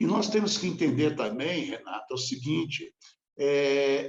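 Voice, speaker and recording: A man's voice at a fairly high pitch. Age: 70s. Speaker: spiritist lecturer. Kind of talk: lecture.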